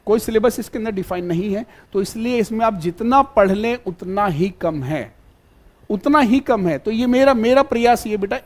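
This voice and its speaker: A man with a high voice and a darkish tone teaches a live online exam-prep class. He's fatherly and repetitive, keeps calling his students "beta," and constantly checks whether they're following.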